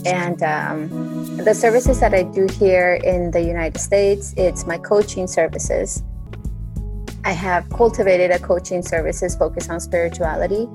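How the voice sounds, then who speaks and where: A woman's voice: lowish voice, a little slow, a little mellow, soft background music. A woman from Colombia with a Colombian Spanish accent, speaking as a guest coach in an earnest, hesitant way with fillers and restarts. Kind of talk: casual interview talk.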